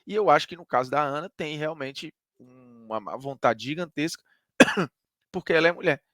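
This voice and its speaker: A man's voice: a little high, moderate pace, fairly bright tone, dry recording, studio quality. A man from Ceará with a Northeastern Brazilian accent, a sports commentator giving an emphatic, conversational opinion monologue that argues point by point.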